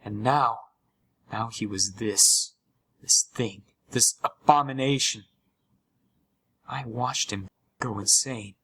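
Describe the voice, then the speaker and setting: A man playing a haunted gamer, narrating a scripted horror story with deliberate, dramatic pauses full of dread. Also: lowish voice, pushed and bright, breathy edge, exaggerated voice, rough recording. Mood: anguished.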